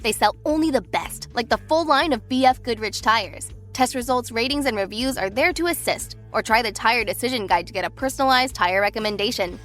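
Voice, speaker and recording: A woman's voice: on the high side, brisk, hardly any pauses, fairly bright tone. An American woman reading a scripted commercial as an announcer. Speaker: advert announcer. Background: faint music.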